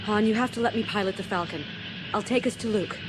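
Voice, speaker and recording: Actress as determined earnest sci-fi heroine, mid pitch, firm and focused, big music behind. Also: female voice, fast talker, close to an everyday voice, poor audio. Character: determined, intuitive wife, a heroine sensing the Force.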